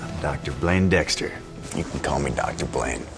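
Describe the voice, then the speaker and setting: An actor playing a confident, wealthy young surgeon who talks coolly and teasingly. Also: male voice, a bass voice, normal speed, vocal fry. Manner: cool, teasing, self-assured. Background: music.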